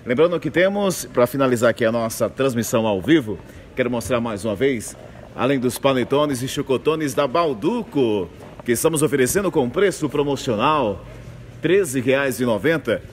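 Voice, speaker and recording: A man gives a live hard-sell advertising pitch as a supermarket announcer, urging and repetitive, into a handheld mic. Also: lively intonation, moderate pace. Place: large supermarket floor, indoors. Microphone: handheld microphone, phone video. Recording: clear store ambience noise.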